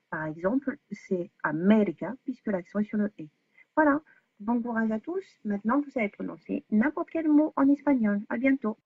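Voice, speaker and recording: A woman teaching pronunciation, explaining rules clearly and spelling out sounds slowly. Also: medium pitch, no room sound. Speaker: Spanish teacher. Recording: dry, phone-like narrowband voice-over.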